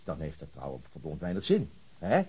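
A low, husky middle-aged man in a radio drama. He is a flustered father who talks haltingly, with his pitch swinging widely as he searches for words. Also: wildly swooping pitch, darkish tone, dull audio, full character voice. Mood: hesitant, amused. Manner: hesitant, halting. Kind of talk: Dutch radio drama dialogue.

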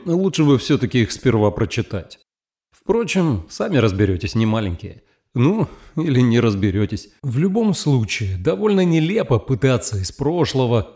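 Expressive male audiobook narrator, lively pitch.

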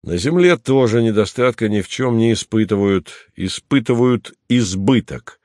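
A man's voice: lowish voice, normal speed, a little mellow, no room sound, lightly acted. A man reading the part of a patient, matter-of-fact base commander with a dry irony, in an audiobook.

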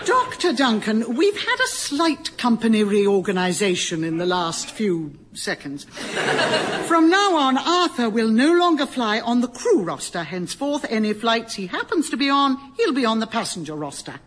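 An actress playing an imperious female airline owner who talks in a brisk, commanding way. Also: a little high, big pitch swings, background noise.

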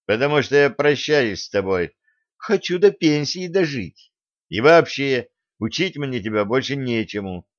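A hot-tempered older fencing coach barks and scolds at a raised pitch, played by a male reader. The sound is dry and a little dull, like a modest home audiobook recording. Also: lively intonation, measured pace, dry recording, close to an everyday voice. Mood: exasperated. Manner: scolding, loud, exasperated.

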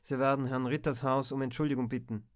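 A gruff older bank director in an audiobook, as the man reading voices him, clipped and commanding with a firm middle-pitched voice. the sound is dull and lo-fi. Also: little pitch movement, quick pace, lightly acted. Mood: stern. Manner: curt commanding tone. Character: gruff older male bank director, stern but fatherly. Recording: dull lo-fi recording.

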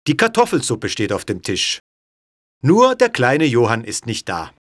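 Slow, lively-toned male narrator. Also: mid-range voice, dry recording, studio quality. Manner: clear, measured reading. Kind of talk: scripted audiobook narration.

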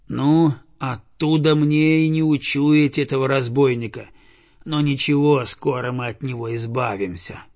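A man's voice: mid-range voice, steady tone, unhurried, a little mellow, lightly acted. A man voicing a grumpy old chained farm dog that barks and threatens. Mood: grumbling. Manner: barking, gruff, threatening. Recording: dull lo-fi recording.

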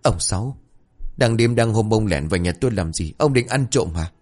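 A man voicing a suspicious old village woman who scolds and threatens loudly. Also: fairly low pitch, animated, normal speed, faint music behind. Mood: scolding.

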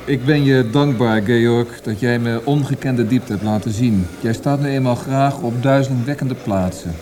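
An actor in a Dutch radio drama playing a reserved, reflective young poet with a measured, courteous manner. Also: male voice, mid-range voice, warm tone, slight background noise, natural voice. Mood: resigned, firm. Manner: measured, courteous, somewhat hesitant.

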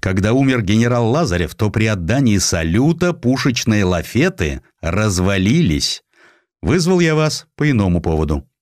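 A man's voice: lowish voice, very animated, normal speed, a little mellow, no room sound, clean studio sound. A man playing a commanding, bluntly critical older Russian emperor in a dramatized audiobook. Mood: curt, businesslike.

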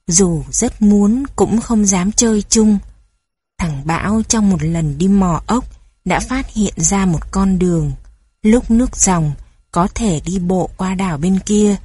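Slow, mellow woman reading stories. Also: fairly low pitch, husky, dry recording. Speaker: storyteller. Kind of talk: children's story reading.

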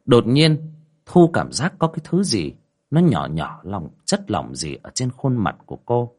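A man narrating a ghost story in a dramatic, expressive way. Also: mid-range voice, unhurried. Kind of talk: scripted horror story narration.

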